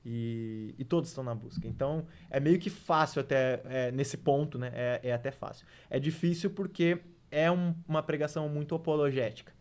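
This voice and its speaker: A man's voice: medium pitch, normal speed, few pauses, a little mellow, clean tone. A man who is a missionary, talking as a guest on a podcast and telling faith stories in an earnest, emphatic way. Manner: earnest, testimony-style storytelling with frequent "né" and "cara"; emphatic, preacher-like when making his point. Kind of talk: casual podcast conversation.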